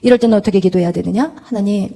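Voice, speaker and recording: A woman's voice: high voice, fast. A middle-aged woman pastor giving a sermon in Korean, telling a story and acting out the quoted prayers. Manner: animated, acts out quoted prayers in a child's voice.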